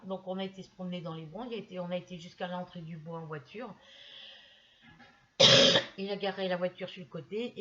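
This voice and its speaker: A hoarse woman vlogger chatting casually while she crochets, telling rambling stories with many fillers and restarts. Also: deep voice, sharp tone, lo-fi sound, a little hiss or hum.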